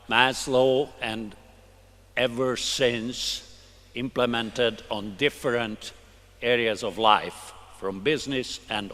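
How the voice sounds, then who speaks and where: Slow Hungarian-accented man lecturing in a hall. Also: medium pitch, fairly bright tone. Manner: halting, deliberate, with many restarts. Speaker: conference speaker. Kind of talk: academic lecture. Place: conference hall. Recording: long hall reverb.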